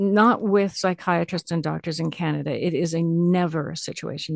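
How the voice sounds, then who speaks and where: In a normal speaking voice, a woman talks at a moderate pace with fairly low pitch and fairly even intonation, the sound dry and close with no echo against a quiet background. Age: 60s. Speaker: radio host. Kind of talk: interview.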